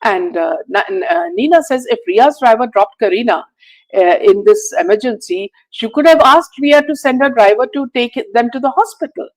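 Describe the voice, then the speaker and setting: An indignant woman hosts a live stream, reading out viewer comments. Her voice sits high and leaps about in pitch as she fires off rhetorical questions, hesitating often with "uh" and "you know". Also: lively intonation, moderate pace, low-quality recording. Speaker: host.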